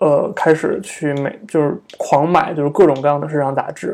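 At a fairly slow pace, a man with a fairly high pitch talks in a plain, everyday voice with fairly even intonation. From Shandong, China. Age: 20s. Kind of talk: casual interview.

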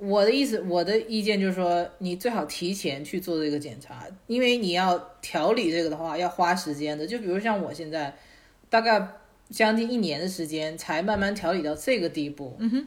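A woman's fairly low voice with lively intonation and a slight northeastern Chinese accent. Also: moderate pace. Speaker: podcast guest. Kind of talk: casual chat.

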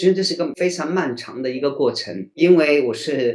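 The man has an unremarkable speaking voice. He speaks at a moderate pace with lively intonation. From China, Hunan. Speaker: choreographer and artist. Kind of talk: panel discussion. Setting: forum with audience.

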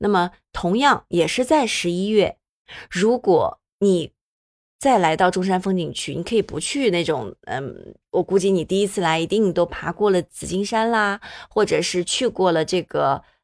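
An unremarkable speaking voice from a woman at a fairly slow pace, ordinary pitch variation, on a very clean recording with a silent background. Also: medium pitch for a woman. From Nanjing, China. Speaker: podcast host, travel recommender. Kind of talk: solo monologue, travel recommendations.

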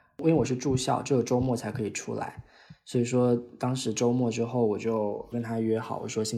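A man's voice with a dark, mellow tone. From Guangdong, Zhongshan. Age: 20s. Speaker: study-abroad consulting entrepreneur. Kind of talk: casual interview.

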